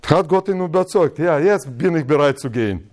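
A man's voice: a little high, fairly quick. A man teaching the Bible to a church group in slightly broken German, playfully acting out dialogues and laughing often. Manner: animated, playfully acts out dialogues with frequent laughs.

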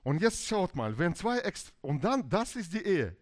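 A man with as his preaches to a congregation. His voice sits a little higher than most men's and swings widely in pitch, and he acts out arguing couples in quick bursts of dialogue. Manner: animated, acts out quarrels in dialogue, non-native German phrasing. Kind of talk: sermon on marriage.

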